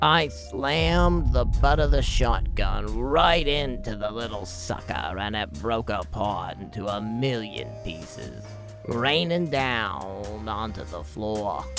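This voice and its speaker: A man's fairly low voice at a fairly slow pace, with clear music in the background. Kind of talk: noir detective narration. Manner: wisecracking, flippant.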